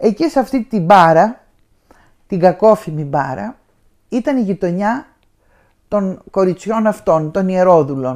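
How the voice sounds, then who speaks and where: Against a quiet background, the speech moves at a fairly slow pace, with very wide pitch swings and long, frequent pauses. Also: woman. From Greece, Thessaloniki; Greece. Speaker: journalist and author; journalist. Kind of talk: interview about her book. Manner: halting, with fillers. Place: home room. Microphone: lapel.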